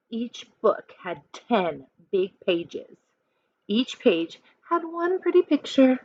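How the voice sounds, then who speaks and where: A woman reading a children's picture book aloud like a teacher, expressive and questioning as she coaches young listeners through counting. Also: fairly high pitch, no room sound, dull audio.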